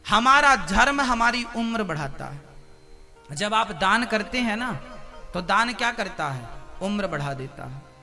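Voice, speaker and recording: A man delivers a devotional sermon in a very high, piercing voice. He tells stories and keeps putting questions to his listeners. Soft music plays faintly behind him. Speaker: kathavachak preacher.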